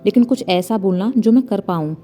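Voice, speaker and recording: A woman doing a proud young guy who sulks and argues, stubborn, low-key mellow voice, storybook reading with soft music behind. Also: a little fast, close to an everyday voice. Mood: pleading. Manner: pleading then grumbling, stubborn. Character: young man, proud, sulky, quarrelsome. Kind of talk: storybook narration.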